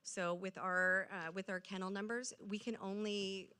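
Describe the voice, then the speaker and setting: A woman's voice: mid-range voice, level tone, normal speed, sharp tone, smooth. A woman on city staff answering questions and explaining figures at a public council meeting.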